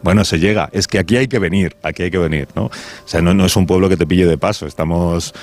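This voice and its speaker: Deep-voiced male radio host, chatty and teasing, broadcasting live outdoors. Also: quick pace, a little mellow, soft background music. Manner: chatty, playful, self-interrupting. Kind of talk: live radio talk and interview. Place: village square outdoors.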